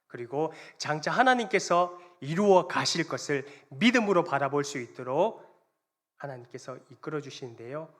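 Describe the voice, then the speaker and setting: A man preaching a sermon as pastor, swinging between loud, emphatic lines and quiet, soft endings, and leading the congregation in reading. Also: mid-range voice. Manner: leads the congregation in responsive reading.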